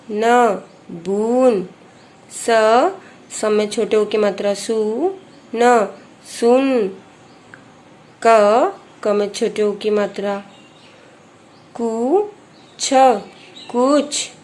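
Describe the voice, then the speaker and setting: A woman teacher leads young children through a phonics lesson. She speaks very slowly, pausing after each letter and vowel sign, in a slightly high voice. Her manner is patient and methodical. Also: a little mellow. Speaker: primary school teacher.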